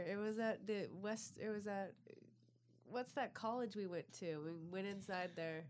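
The pace is fairly slow, with ordinary pitch variation. It is an ordinary speaking voice. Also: woman. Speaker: boxing coach. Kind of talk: casual chat. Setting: studio.

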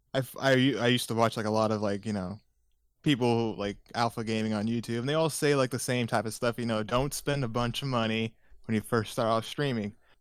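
In a very clean recording with a silent background, a man with a medium pitch and a normal speaking voice talks at a fairly quick pace. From Indiana, US. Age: 20s. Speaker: video editor and hobby streamer. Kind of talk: casual chat.

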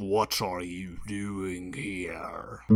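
Over faint music in the background, a man uses a put-on character voice with a very deep, low pitch.

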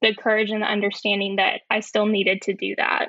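The woman's pitch sits at a medium level. Her intonation is flat and monotone. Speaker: former camper and camp counselor. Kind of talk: interview.

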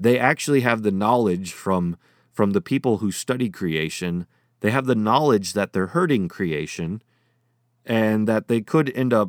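The speaker, with an American accent, talks at a moderate pace with lively intonation. The recording is very clean, with a silent background and a dry, close sound with no echo. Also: man. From Michigan, US. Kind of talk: devotional teaching.

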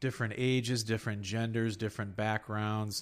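Using an ordinary speaking voice, someone talks at a fairly quick pace with fairly even intonation in a very clean recording with a silent background. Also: man. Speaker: stand-up comedian, former college professor. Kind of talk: casual chat.

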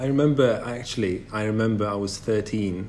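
With a Czech accent, a man speaks at a fairly low pitch and moderate pace in audible room echo. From Czech Republic, Prague. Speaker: arbitration lawyer and podcast editor. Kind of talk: casual chat. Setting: video call.

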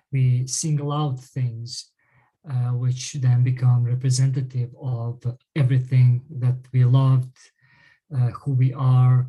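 The voice is dark, mellow and somewhat breathy, moving at a very slow pace with monotone, flat intonation. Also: man, medium pitch for a man. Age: 40s. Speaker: writer. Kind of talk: interview. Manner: halting.

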